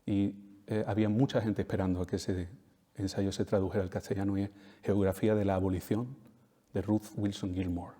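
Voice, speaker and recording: A man lecturing with a low, mellow voice. He drives his points home by repeating phrases and tagging them with quick questions to the audience. The sound carries a long hall reverb. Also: flat delivery. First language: Spanish. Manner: emphatic, repeats key phrases, tag questions. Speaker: speaker at a talk.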